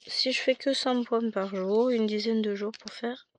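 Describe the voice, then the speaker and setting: An unhurried, steady, highish voice belongs to a middle-aged French cross-stitch vlogger. She chats casually and ramblingly, making fun of herself with plenty of asides and restarts.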